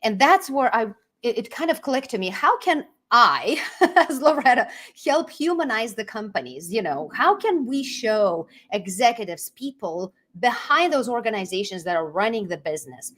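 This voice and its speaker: Speaking with a Lithuanian accent, this middle-aged woman from Lithuania chats casually as an interview guest, frequently restarting words and laughing between phrases. Her voice is a little high and fairly bright. She swings widely in pitch and keeps a moderate pace.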